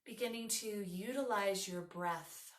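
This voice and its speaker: A woman teaching yoga nidra, leading a guided meditation in a soothing, instructive, unhurried way. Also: mid-range voice, echoey room.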